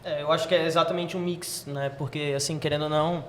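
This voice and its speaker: Fast-talking young man, high voice. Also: slight background noise. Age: young adult. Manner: fast, animated, uses slang fillers like "cara". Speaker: son in the family business, guest. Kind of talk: casual interview talk.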